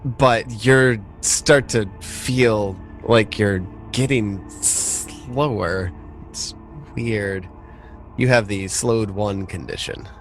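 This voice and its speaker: A man's voice: fairly low pitch, extremely slow, soft background music, poor audio. A man casually narrating a tabletop game as game master, in informal, sweary language.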